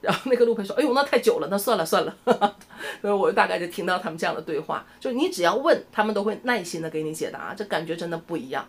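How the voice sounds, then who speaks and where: A woman's voice: on the low side, animated, quick pace, few pauses, slightly rough. A middle-aged woman from Shenyang with a Northeastern Mandarin accent, chatting animatedly to camera and telling a story. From Shenyang, northeast China. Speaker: vlogger. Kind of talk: casual chat to camera.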